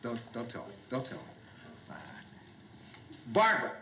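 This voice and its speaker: An actor playing a gruff middle-aged bar owner who forces himself into hearty, pushy cheer and repeats his greetings, in 1970s sitcom style. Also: mid-range voice, big pitch swings, moderate pace, bright, forceful tone. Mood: forced cheer. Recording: noisy old TV soundtrack.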